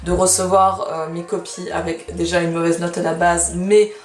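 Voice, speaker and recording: A woman's voice: on the low side, flat delivery, moderate pace. Young non-native French speaker, echoey room, woman. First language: not French. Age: early 20s. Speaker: student vlogger giving study advice. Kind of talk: casual advice to camera.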